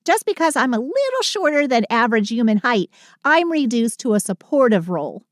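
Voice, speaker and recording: Sulky, affectionate female Christmas elf played by a woman for intimate roleplay audio; higher voice, close dry sound, dramatic but fond. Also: very animated, brisk, no room sound. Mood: indignant venting. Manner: dramatic sighing complaints softened by fond endearments.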